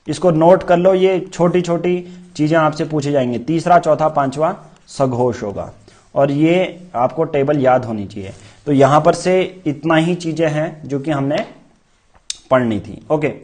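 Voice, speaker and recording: A man's voice: fairly high pitch, darkish tone. Man teaching a grammar lesson. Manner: repeats key terms as questions and answers them; demonstrates sounds aloud. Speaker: exam-prep teacher. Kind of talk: explaining grammar to students.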